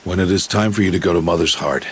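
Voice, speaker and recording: An actor playing a stern middle-aged tribal outcast hunter and mentor in a video game, speaking in a solemn, measured, commanding way. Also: male voice, low-pitched, slight background noise, lightly acted. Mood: solemn, instructive. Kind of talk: dramatic video game cutscene acting.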